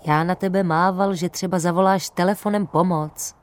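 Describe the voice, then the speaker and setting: Chatty friendly chimney sweep guy, a lady reading him, calm and kind, lowish voice. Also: natural voice. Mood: kindly. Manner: calm, kindly, talkative.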